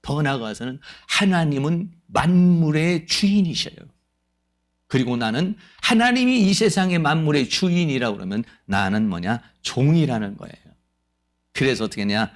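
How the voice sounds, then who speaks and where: A man preaching a sermon as pastor of a church, lively and playful, acting out quoted voices. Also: a little high, moderate pace. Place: church sanctuary.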